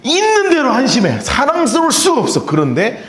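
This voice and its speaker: A middle-aged male pastor preaching a sermon, chatty and animated, with laughing asides to the congregation. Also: very high-pitched, brisk. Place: church sanctuary. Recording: roomy church reverb.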